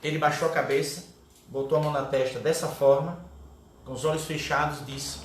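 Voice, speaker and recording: A middle-aged man gives a first-person testimony at a catechesis, telling it as an animated storyteller who often ends a line with a tag question. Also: on the high side, moderate pace. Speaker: guest speaker at a catechesis. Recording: echoey room with faint background noise.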